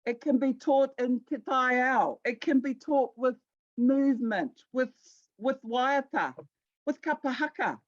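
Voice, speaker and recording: A woman with a New Zealand accent, a guest speaker at a Māori health conference, gives an educational talk in a conversational, storytelling style, repeating words for emphasis. Her voice is high-pitched and measured in pace, and the sound is lo-fi.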